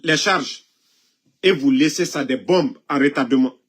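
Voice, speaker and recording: Medium-pitched, with a breathy edge and a measured pace, a man scolds his audience during fervent political commentary. He poses sharp rhetorical questions and coughs occasionally because of a cold.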